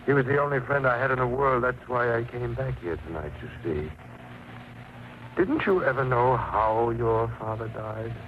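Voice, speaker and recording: An actor playing an eerie, white-bearded visitor with a grave, deliberate, theatrical delivery in an old-time radio horror drama. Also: male voice, mid-range voice, big pitch swings, natural voice. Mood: haunted, urgent. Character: eerie white-bearded man, corpse-eyed, haunted mysterious visitor. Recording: muffled old radio recording, faint noise.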